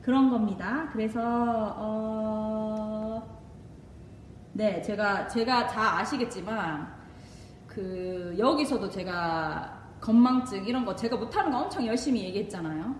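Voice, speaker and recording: A middle-aged woman doctor from the Gyeongsang region with a Gyeongsang accent, giving casual parenting advice with lots of laughter. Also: takes it slowly. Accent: Gyeongsang Korean. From Gyeongsang region of Korea. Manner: lively, laughs often, switches into English phrases. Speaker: doctor and parenting channel host. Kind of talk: casual advice talk to viewers. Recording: echoey room, mic at a distance, faint rumble.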